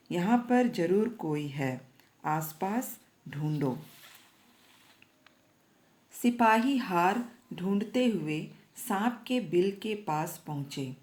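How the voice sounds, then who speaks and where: A woman teacher giving a patient reading lesson to young children, repeating each word clearly. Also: lowish voice, a little mellow. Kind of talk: slow classroom lesson reading aloud.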